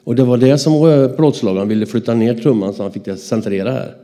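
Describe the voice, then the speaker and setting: A Swedish man giving a lively Christian testimony as a story, acting out the dialogue. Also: medium pitch. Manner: animated, acts out dialogue in his stories. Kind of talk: anecdotal storytelling.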